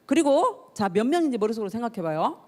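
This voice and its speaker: A woman preaching a sermon for teenagers, her voice sitting a little high and swinging widely up and down as she tells the story. She acts out the voices of the people in it with feeling and keeps putting questions to her young listeners. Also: fast talker. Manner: animated storytelling, acting out voices and cries; asks the listeners questions directly. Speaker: youth pastor. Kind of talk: youth sermon.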